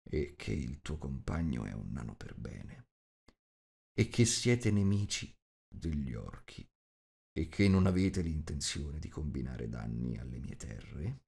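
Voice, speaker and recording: A man voicing a gruff, rude, huge shape-changer who growls and talks bluntly. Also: rumbling low, big pitch swings, measured pace, warm tone, voice pushed down, full character voice.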